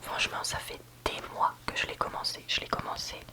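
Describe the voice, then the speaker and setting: A book reviewer giving a candid, hesitant ASMR review in a soft library whisper, often searching for words. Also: brisk. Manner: soft library whisper, almost entirely unvoiced. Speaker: book reviewer, video host.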